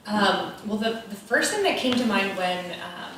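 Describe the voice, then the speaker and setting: A woman on a panel explaining resources in a measured, informative way with frequent ums. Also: mid-range voice, animated, fairly bright tone, a little hiss or hum. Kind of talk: panel discussion. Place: event hall. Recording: echoey hall from far off.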